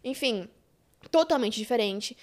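A young woman with a Brazilian Portuguese accent, a guest in an interview, telling a personal story in a casual, animated way and acting out the dialogue. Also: a little high, unhurried. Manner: animated, acts out dialogue in quoted voices.

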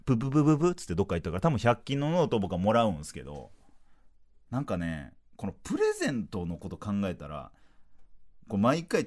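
Kansai-accented male comic, 30s, low voice, lively swings, solo podcast storyteller. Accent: Kansai Japanese. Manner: animated, acts out dialogue in quick bursts. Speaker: podcast host, comedian.

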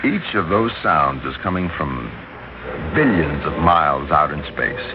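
A man's voice: very deep voice, expressive, unhurried, full character voice. An actor playing a brash, self-assured male radio newsman in an old-time radio drama. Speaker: radio newscaster. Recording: dull old radio recording, loud hiss.

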